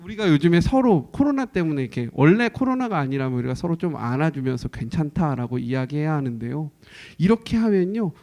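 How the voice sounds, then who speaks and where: A man in his thirties, a pastor, preaching an emphatic sermon to church teachers and dropping to a hushed whisper to stress his points. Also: on the high side.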